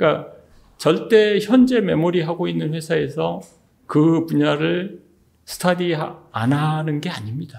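An unremarkable speaking voice at a fairly slow pace, with ordinary pitch variation and a quiet background. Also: man, fairly high pitch for a man. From South Korea. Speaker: retired semiconductor executive and former professor; guest. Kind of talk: interview. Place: studio. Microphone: studio mic.

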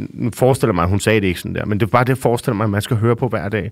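A man speaks in a fairly low voice with ordinary pitch variation. The sound is dry with no echo, and the background is quiet. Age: 30s. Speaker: undertaker; podcast guest. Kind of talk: casual chat. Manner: halting. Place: studio. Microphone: studio mic.

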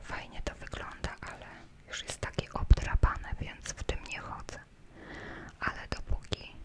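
Someone is whispering. The pace is fairly slow. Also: woman. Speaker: presenter. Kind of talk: casual show-and-tell chat, ASMR-like. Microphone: studio mic.

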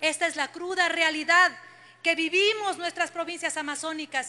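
A woman speaks at a moderate pace in a raised, projected voice. Her pitch is extremely high and her tone bright and sharp. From southern Ecuador (Zamora Chinchipe, Amazon region); Ecuador. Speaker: politician. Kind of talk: parliamentary speech. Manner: formal; emphatic. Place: hall. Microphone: podium.

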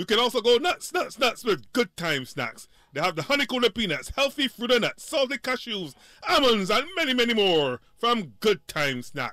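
In a dry, close sound with no echo, a man with an extremely high pitch and a bright, sharp tone uses a raised, projected voice, swinging very widely in pitch at a moderate pace. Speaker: comedic co-host. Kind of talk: casual comedic chat with sponsor reads. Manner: animated.

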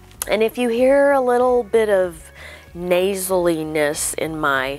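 A woman's voice, dry with no echo, over faint music in the background. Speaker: quilting video host. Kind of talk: tutorial. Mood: cheerful, chatty. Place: home room. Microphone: lapel.

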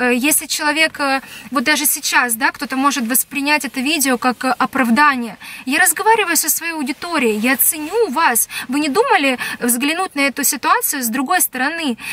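At a moderate pace, a woman with a high pitch uses a raised, projected voice and lively intonation in a dry sound with no echo. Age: 20s. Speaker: beauty blogger and salon owner; beauty blogger. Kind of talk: casual vlog monologue. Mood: earnest, slightly indignant. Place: car. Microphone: phone near.

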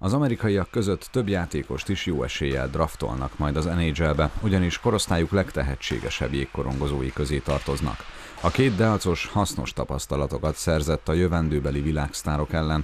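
A man with a very deep, low voice talks at a moderate pace with lively intonation and hardly any pauses, over noticeable background noise. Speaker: sports reporter. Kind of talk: news narration.

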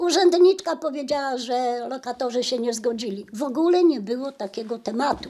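Hardly any pauses break up the speech. Delivery runs at a fairly quick pace. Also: woman, high pitch for a woman. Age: 70s. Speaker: elderly resident. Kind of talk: testimony. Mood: upset, aggrieved. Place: home room.

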